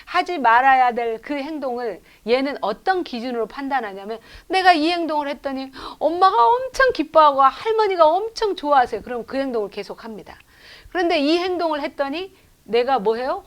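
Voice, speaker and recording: A middle-aged woman lectures on raising children in faith, her voice sitting a little high. She tells family stories in a lively way and keeps asking her listeners questions. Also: a little fast. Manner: lively storytelling with rhetorical questions to the audience; acts out children's lines in quotes. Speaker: professor lecturing at a lay school. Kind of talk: church education lecture.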